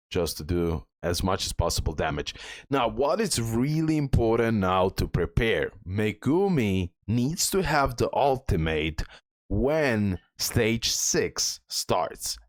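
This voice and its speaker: A man's voice: lowish voice, dry recording, studio quality. A man giving casual gameplay commentary as the host of a game guide, repeating himself and checking in with the listener.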